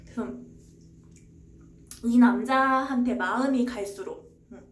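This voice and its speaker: Chatty young woman, higher voice. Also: slow pace. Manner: chatty, rambling, answers chat with short replies. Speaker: streamer. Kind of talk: casual retelling of a novel. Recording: roomy echo, faint background hiss.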